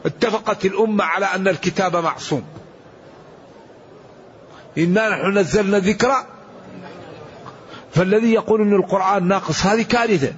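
A man's voice: high-pitched, a little fast, pauses often, muffled recording, a little hiss or hum. A man giving an earnest, emphatic Quran commentary lesson, quoting scripture and sayings as he preaches. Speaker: Quran teacher.

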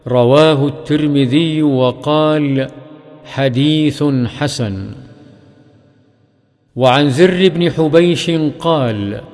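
Slow chanting man with long reverb. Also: a little high, darkish tone. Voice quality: melodic chanting delivery. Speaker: hadith reciter. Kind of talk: chanted recitation of hadith.

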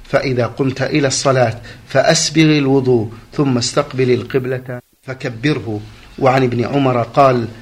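A man reading and presenting in formal Standard Arabic as a radio program host, measured and deferential in manner. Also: mid-range voice.

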